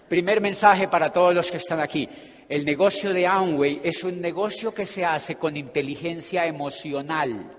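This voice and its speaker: A man giving a humorous motivational talk to an audience, telling a story about his own past and acting out the scenes with big swings in his voice. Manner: animated, acts out scenes with big pitch swings. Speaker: motivational speaker. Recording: echoey hall with faint ambient noise.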